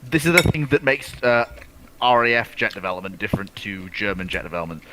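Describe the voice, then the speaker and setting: A man's voice: on the low side, fairly even intonation, fast. A man co-hosting a casual history chat in colloquial language, repeating phrases and acting out imagined remarks. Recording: clearly noisy background.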